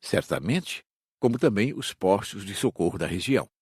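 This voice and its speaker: A low, husky male voice reads an audiobook with measured pacing and a lively rise and fall. The recording is dry and close, with almost no room sound. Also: dry recording. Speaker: audiobook narrator. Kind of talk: scripted audiobook reading.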